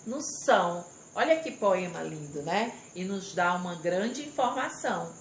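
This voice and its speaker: A woman teaching a primary school class, going through the lesson step by step, reading aloud and pausing to stress each syllable. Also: fairly low pitch, expressive. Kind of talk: recorded remote class lesson. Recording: echoey room with faint insect noise.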